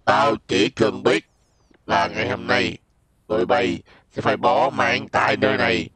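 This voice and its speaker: A man voicing a vengeful giant anime robot, making slow, deliberate threats in a game video. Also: lowish voice, steady tone, fairly bright tone, voice pushed down. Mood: cold threat.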